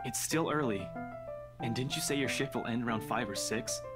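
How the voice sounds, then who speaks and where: An actor playing a calm, observant young man in a voiced visual novel, speaking evenly over loud background music. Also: medium pitch, normal speed, natural voice. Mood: concerned.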